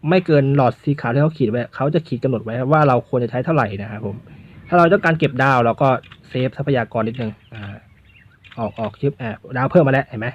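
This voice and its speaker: A young man walks through a mobile game in relaxed, chatty commentary, polite and quick to correct himself mid-sentence. He sits at a middle pitch, and the recording sounds somewhat dull and lo-fi. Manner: chatty, polite, self-interrupting. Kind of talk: casual gameplay commentary.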